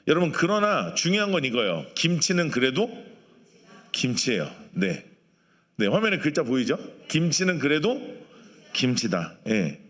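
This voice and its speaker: A man's voice: mid-range voice, fairly bright tone. A man preaching a sermon to a congregation in a conversational way, asking the people in the pews questions. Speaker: pastor. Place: church sanctuary. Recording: long church hall reverb.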